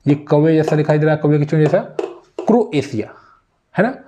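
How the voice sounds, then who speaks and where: A man's voice: on the high side, a little fast, noisy background. A man with a Hindi accent teaching an exam-prep geography lesson on a map, drilling country names again and again and speaking straight to his viewers.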